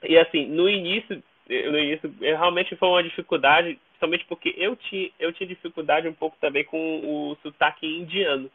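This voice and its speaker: A man's voice: a little high, fairly even intonation, fairly quick, hardly any pauses, slightly rough. A Brazilian man chatting casually as an interview guest, often repeating words as he searches for the next. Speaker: podcast guest. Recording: narrow, tinny phone-like call audio.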